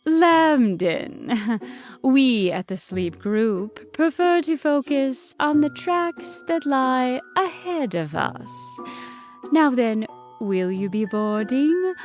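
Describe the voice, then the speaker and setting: A woman's voice: fairly high pitch, big pitch swings, takes it slowly, darkish tone, faint music behind, voice pushed up. Woman voicing a courteous moose conductor, lilting and formal. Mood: evasive, polite. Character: polite moose conductor, female, evasive and rehearsed. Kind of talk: children's bedtime audio story.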